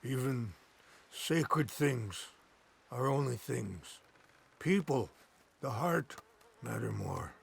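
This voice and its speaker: An actor playing a dignified, calm middle-aged tribal leader in a video game, speaking in a measured, formal and gentle way. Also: male voice, medium pitch, creaky, slightly rough, full character voice. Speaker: tribal chief. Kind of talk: video game cutscene dialogue. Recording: orchestral game score behind.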